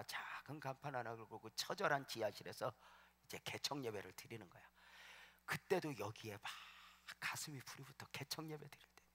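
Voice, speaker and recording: Man, middle-aged pastor, bright forceful voice, storytelling sermon, loud bursts and whispers. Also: lowish voice. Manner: storytelling, swings from hushed asides to loud shouting. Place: large church sanctuary.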